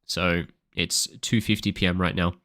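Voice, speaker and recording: A young Australian man talks through his game on a live stream, answering chat between picks. His voice sits fairly low but sounds bright and forceful. He explains strategy in a relaxed, chatty way with the odd swear. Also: moderate pace. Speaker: streamer and coach.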